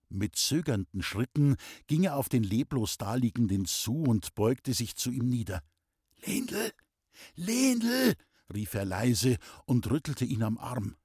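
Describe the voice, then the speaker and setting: Man, audiobook reader, classic novel, measured narration, husky voice, dry close sound. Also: medium pitch, darkish tone, no room sound.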